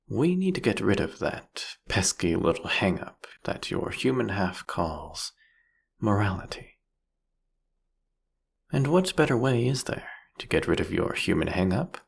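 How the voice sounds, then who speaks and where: A man playing a seductive, possessive vampire king in an intimate audio roleplay, with a taunting, menacing, whispery delivery. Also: full character voice. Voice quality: husky, breathy, gravelly low voice.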